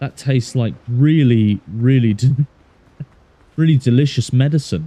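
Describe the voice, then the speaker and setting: A man speaks at a fairly slow pace in a dark, mellow tone. His voice is somewhat breathy. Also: medium pitch for a man, ordinary pitch variation. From Ireland, Galway. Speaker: gaming streamer. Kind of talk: casual live gameplay commentary. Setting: livestream. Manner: animated.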